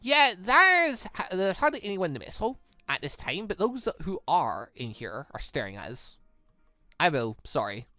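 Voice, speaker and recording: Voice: medium pitch, sing-song, moderate pace, few pauses, sharp tone, dry recording, soft background music. A chatty gaming host reading a visual novel aloud and commenting on it, stumbling over lines now and then.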